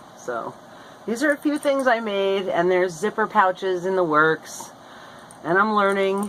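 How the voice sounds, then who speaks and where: Over noticeable background noise, a woman speaks at fairly low pitch with very wide pitch swings. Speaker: homesteader and vlogger. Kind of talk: casual vlog talk to camera. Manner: halting, stuttering.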